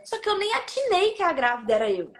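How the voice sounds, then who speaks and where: A woman, telling a personal testimony in a lively way and acting out the people in it. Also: very high voice, fast, background noise. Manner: acts out quoted people, laughs often. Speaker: guest sharing a testimony. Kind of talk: animated storytelling.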